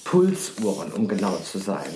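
An actor playing a smug, matter-of-fact official who explains a scheme with self-satisfaction in a radio play. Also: male voice, sits low, wildly swooping pitch, moderate pace, a little mellow, roomy sound, slight background noise. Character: smug male official coldly boasting about monitoring pensioners. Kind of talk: radio play, mock documentary interview.

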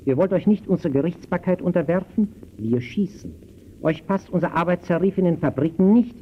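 An actor playing an earnest, indignant debater who declaims rhetorically in an old radio play. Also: male voice, high-pitched, brisk, close to an everyday voice. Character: earnest, indignant male debater lecturing on injustice. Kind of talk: 1920s German radio play dialogue. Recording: dull old radio recording, faint noise.

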